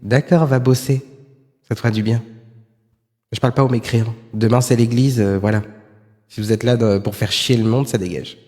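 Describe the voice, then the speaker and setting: A man's voice: mid-range voice, fairly even intonation, moderate pace, pauses often, a little mellow. Sarcastic streamer man, echoey reverb. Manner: sarcastic, rambling, many fillers. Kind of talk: live reaction commentary.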